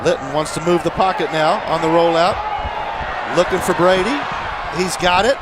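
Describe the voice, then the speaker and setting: A man's voice: fairly high pitch, normal speed. A man doing live play-by-play commentary of an American football game from a broadcast booth. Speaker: play-by-play announcer. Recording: broadcast booth with crowd noise behind.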